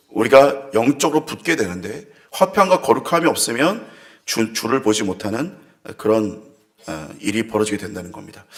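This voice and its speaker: A man's voice: mid-range voice, fairly bright tone. A man preaching a sermon as pastor, earnest and reflective, with sighing asides as he muses aloud. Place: church.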